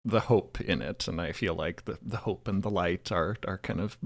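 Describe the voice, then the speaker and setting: A podcast creator in casual discussion, speaking in a measured, deliberate way with pauses between phrases. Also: low-pitched. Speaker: podcast creator, roundtable guest.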